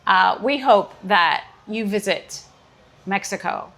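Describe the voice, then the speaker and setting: A middle-aged Chicago woman with a Chicago accent works as a comedian host, leading a casual, joking chat full of playful banter. Her voice is mid-range and a bit bright, and she speaks at a slow pace.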